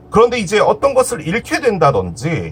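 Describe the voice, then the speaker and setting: A man's pitch swings very widely. Noticeable background noise runs behind him. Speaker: tarot reader. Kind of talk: tarot reading monologue. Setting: reading room at home.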